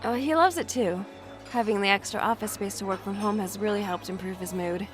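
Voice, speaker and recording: An actress plays a young woman in her twenties, a cautious, overworked homebody. Her delivery is understated and a little hesitant, at a middle pitch. Music plays clearly behind her naturalistic audio drama dialogue. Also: brisk, lightly acted. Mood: casual, content. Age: 20s.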